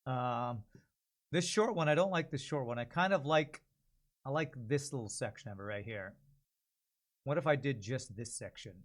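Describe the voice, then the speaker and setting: A man's voice: mid-range voice, moderate pace, pauses often. A man chatting casually as a streamer, thinking aloud to his viewers. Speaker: streamer practicing voice-over.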